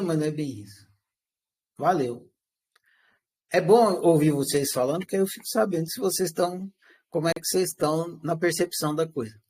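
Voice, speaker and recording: A high-pitched man leads a live class. He is animated and asks rhetorical questions that he answers himself. He also acts out everyday lines in quotes. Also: breathy edge. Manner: animated, switches into acted quotes of everyday speech. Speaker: teacher.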